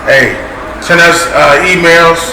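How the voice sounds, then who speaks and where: A man casually hosting a challenge show, speaking haltingly and often repeating himself. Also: a little high, fairly even intonation, recorded from a distance. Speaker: host. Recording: echoey room with background noise.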